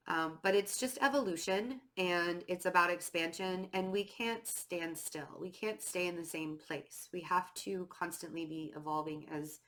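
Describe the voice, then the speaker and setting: A woman's voice: lowish voice, fairly bright tone. Stuffy-nosed woman giving a chatty tarot reading. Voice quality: nasal. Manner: chatty, filler-heavy, with many "um" and "like"; self-described nervous and fidgety. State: stuffy nose from a cold. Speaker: tarot reader. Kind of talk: casual spoken tarot reading to camera.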